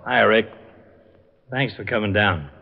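An actor playing an earnest police lieutenant in an old radio drama, plain-spoken and matter-of-fact. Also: male voice, on the low side, a little slow, heavy background noise. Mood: grim, matter-of-fact. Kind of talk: 1950s radio drama acting. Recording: muffled old radio recording.

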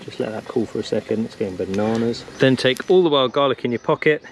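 A man's voice: medium pitch, fast, background noise. Chatty man teaching bushcraft outdoors. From England. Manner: upbeat, chatty, practical. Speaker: bushcraft instructor. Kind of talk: outdoor how-to demonstration. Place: woodland camp and wooden cabin.

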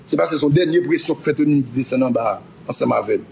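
A man's voice: mid-range voice, fast, vocal fry, darkish tone. A man recounts a personal story in a rambling way, mixing Creole and French and acting out the dialogue. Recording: dull lo-fi clip with faint hiss.

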